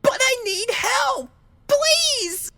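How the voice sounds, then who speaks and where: A man voicing an injured, gentle female pegasus pony who pleads desperately in a horror story reading. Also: very high voice, expressive, drawn-out words, pitched above the performer's own voice, heavily acted. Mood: desperate pleading. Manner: pleading, distressed.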